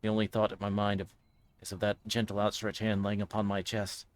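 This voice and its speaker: A man's voice: fairly low pitch, monotone, brisk. A man livestreaming a visual novel, chatting casually and reading aloud, sometimes stumbling over his words. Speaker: streamer.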